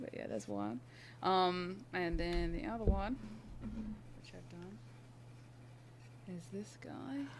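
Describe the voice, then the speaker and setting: A woman talks at a very slow pace with long, frequent pauses and big swings in loudness. Noticeable background noise and audible room echo fill the recording. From Britain. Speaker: podcast guest, artist. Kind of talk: casual chat.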